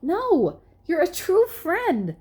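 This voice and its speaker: A woman's voice: huge pitch swings, extremely slow, dark tone, heavily acted. A woman voicing an anxious male pig inventor in a storybook, with a fretful, breath-catching delivery. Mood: fond. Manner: high, gasping, fretful delivery.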